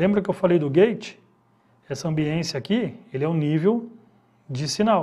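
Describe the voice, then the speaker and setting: A high-pitched man at a moderate pace with a dark, mellow tone, ordinary pitch variation, and long, frequent pauses. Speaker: audio technician. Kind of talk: tutorial.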